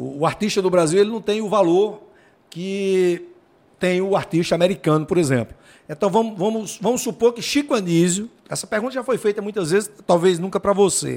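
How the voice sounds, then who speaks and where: Talking at a fairly quick pace, a man has a high voice with ordinary pitch variation. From Paraíba, Brazil. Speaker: podcast host. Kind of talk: casual chat. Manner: animated.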